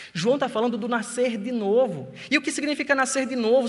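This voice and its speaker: This man talks at a fairly quick pace with an extremely high pitch and ordinary pitch variation. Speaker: pastor. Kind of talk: sermon. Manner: fast.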